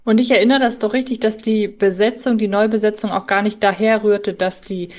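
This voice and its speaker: A woman's voice: mid-range voice, fairly even intonation, brisk. A woman co-hosting a podcast, talking conversationally in a fan discussion. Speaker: podcast co-host.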